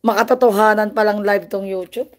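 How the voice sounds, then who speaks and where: A woman's voice: medium pitch, steady tone, a little fast. A playful, teasing woman from the Philippines chatting casually on a livestream, laughing often. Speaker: vlogger.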